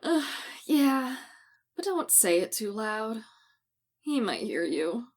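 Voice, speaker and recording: A woman's voice: a little high, sing-song, takes it slowly, exaggerated voice. A woman acting in an audio drama as a wary office worker, speaking in a subdued, confiding way.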